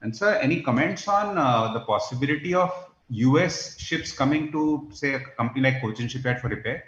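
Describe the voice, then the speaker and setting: A man's voice: medium pitch, lively intonation, fairly quick, a bit bright. A man asking an executive questions on a conference call in a polite, hesitant way. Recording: roomy, dull call audio.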